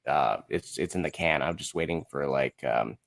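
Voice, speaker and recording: A man's voice: a bass voice, moderate pace, gravelly. A man speaking as an interview guest in casual conversation, informal and hesitant as he searches for his words. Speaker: podcast guest, musical creator.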